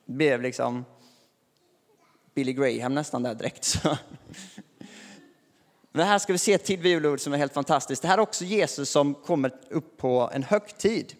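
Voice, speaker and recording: A man with a fairly high voice delivers a sermon in an easy, conversational manner, chuckling lightly now and then. His voice rings out with a long reverb tail from the church hall around him. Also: expressive, long pauses. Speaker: preacher.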